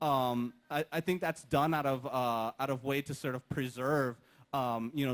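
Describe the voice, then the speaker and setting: A man talks in an American accent, keeping a moderate pace. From US, Afghan family, early childhood in Pakistan. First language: Pashto. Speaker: novelist. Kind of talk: panel discussion. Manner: halting, many fillers and repetitions.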